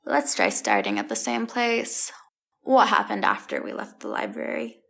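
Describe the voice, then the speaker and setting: A woman's voice: on the high side, very animated, normal speed, creaky, fairly bright tone, exaggerated voice. A woman playing an exasperated, sarcastic young student in an audio comedy, talking in a wry, casual, incredulous way. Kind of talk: audio drama comedy acting.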